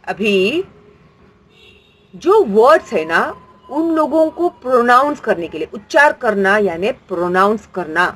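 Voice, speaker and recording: A woman's voice: fairly high pitch, big pitch swings, a little slow, a bit bright, breathy edge, rough recording. A woman teaching a grammar lesson, patient and explanatory, asking questions and answering them herself.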